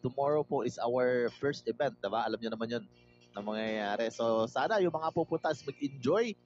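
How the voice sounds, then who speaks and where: This Filipino man hosts a livestream, reading comments aloud and casually saying hello to viewers by name as he moves freely between Tagalog and English. He sounds animated and a little mellow at medium pitch and normal speed, with faint music under dull, lo-fi audio.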